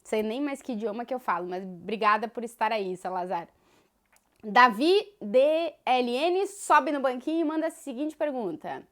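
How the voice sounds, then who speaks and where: A woman's voice: a little high, expressive, normal speed, fairly bright tone. A woman in her thirties with a Gaúcho Brazilian accent, a sports journalist chatting casually as she answers viewer questions, dotting her talk with fillers. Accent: Gaúcho Brazilian Portuguese. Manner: chatty and thoughtful, many fillers like "né" and "assim". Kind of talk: casual Q&A vlog.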